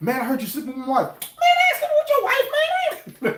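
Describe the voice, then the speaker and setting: A squeaky, put-on character voice at an extremely high pitch with very wide pitch swings. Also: fairly quick pace. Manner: confrontational, exaggerated.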